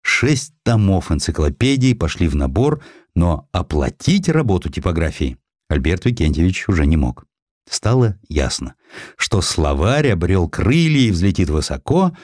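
A man with a deep voice narrates a literary audiobook. His delivery is expressive and theatrical, with a very varied melody. The sound is dry and close, with hardly any room in it. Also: normal speed, no room sound. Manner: expressive storytelling with acted dialogue. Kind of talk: dramatized scripted narration.

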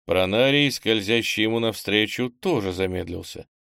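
A man narrating an audiobook in a fairly low voice with a gravelly edge. He reads in an even, measured way, and the recording is dry and close. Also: no echo.

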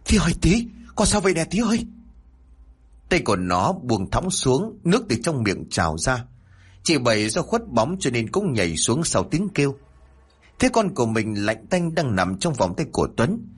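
A man with a Southern Vietnamese accent narrating a village horror story in an expressive storytelling manner. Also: mid-range voice, slightly rough.

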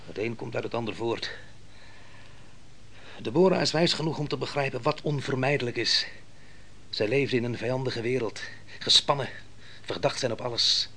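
An actor playing an imperious, impatient ancient army commander in a Dutch radio play, gruff, scornful and curt. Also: male voice, mid-range voice, sharp tone, heavily acted. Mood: grave, knowing. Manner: commanding, curt, quick to bark orders.

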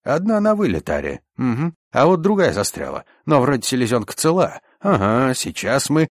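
A man voicing a calm, steady field medic. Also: mid-range voice, moderate pace, no echo, clean studio sound, pitched above the performer's own voice. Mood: calm, focused. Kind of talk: audiobook character voice.

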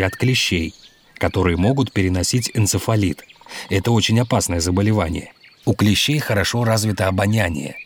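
Calm, instructive doctor, slightly low voice, kids' audio storybook. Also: male voice, a little hiss or hum. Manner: calm, instructive, explains patiently. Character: calm adult doctor out picking mushrooms.

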